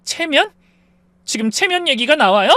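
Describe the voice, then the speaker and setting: A man's voice: high voice, very animated, fairly quick, no room sound, voice pushed up. A man voicing a hurt young wife who pleads with her father and argues back at her husband in a raised voice. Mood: indignant. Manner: pleading, indignant.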